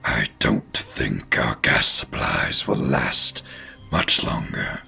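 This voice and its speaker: A man voicing a gruff creature who pilots a balloon in a tabletop game, with a deep, growling, deliberate delivery. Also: bright, forceful tone, faint music behind, heavily acted. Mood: gruff, businesslike. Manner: slow, deliberate.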